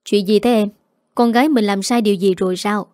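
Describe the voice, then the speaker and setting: Concerned middle-aged father, read by a woman narrator, mellow delivery. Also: mid-range voice, fairly even intonation, a little fast, no echo, studio quality, close to an everyday voice. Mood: worried. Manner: concerned questioning.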